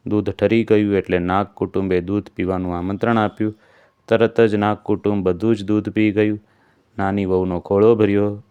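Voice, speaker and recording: A man narrating a devotional fasting story in a calm, steady manner. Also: fairly low pitch, clear, resonant tone.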